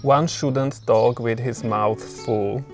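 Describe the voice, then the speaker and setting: A man's voice: medium pitch, fairly even intonation, slow pace, a little mellow, soft background music. A man hosting a home vlog, chatting easygoing about cooking and his garden outdoors, laughing often. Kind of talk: relaxed home vlog chat.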